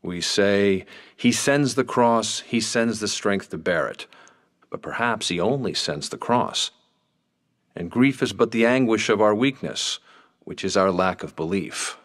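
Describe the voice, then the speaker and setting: Guy acting a catholic priest in a radio play, fairly deep voice, grave and measured, patiently probing. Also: lightly acted.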